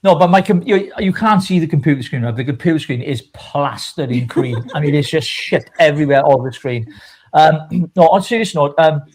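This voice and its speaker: Fifties male co-host, casual and sincere, slightly higher pitch. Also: lively intonation, fairly quick, a little mellow. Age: 50s. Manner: chatty, self-mocking, sincere. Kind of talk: casual chat.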